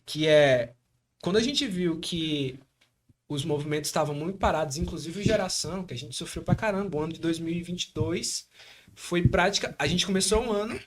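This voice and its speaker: A man with a Brazilian accent from Espírito Santo, hosting a podcast in casual, animated chat full of slang fillers. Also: fairly high pitch, brisk, slight background noise. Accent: Espírito Santo Brazilian Portuguese. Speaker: podcast host.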